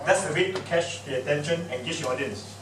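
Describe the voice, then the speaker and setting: A man with a Singaporean English accent gives a lively, playful public speaking workshop, quizzing and teasing his audience. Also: fairly high pitch, fast talker. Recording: echoey room picked up from a distance with background noise.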